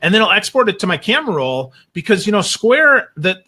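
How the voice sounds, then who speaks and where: A man with a fairly high, very bright and forceful voice talks as a panel guest. He speaks casually but emphatically, doubling back on words to drive points home. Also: big pitch swings, a little fast. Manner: emphatic, repeats words, tags points with "right?". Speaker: guest on a social media talk show.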